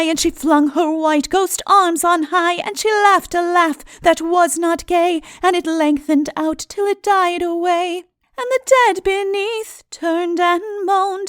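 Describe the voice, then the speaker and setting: Woman performing a very high, mournful ballad singer. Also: dry recording, clean studio sound. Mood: haunting. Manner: mournful, drawn-out lilting delivery. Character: sweet-voiced female singer of sad old ballads. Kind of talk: slow sung ballad.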